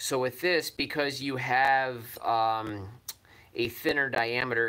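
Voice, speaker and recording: A man's bright, sharp voice with fairly even intonation. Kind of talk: tutorial. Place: workshop. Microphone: phone near.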